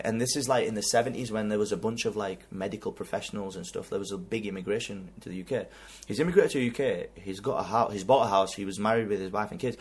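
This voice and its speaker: A young man in his twenties, born in Pakistan with Urdu as his first language, telling a story in an animated, slangy way on a podcast. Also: on the low side, husky. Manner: animated slangy storytelling, heavy use of "like" and "bro". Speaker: podcast host. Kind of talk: casual chat.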